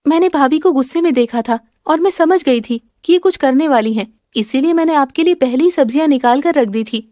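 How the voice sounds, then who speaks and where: A woman as a polite gentle young daughter-in-law. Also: high voice, a little fast, dry recording, studio quality, natural voice. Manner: polite and calm.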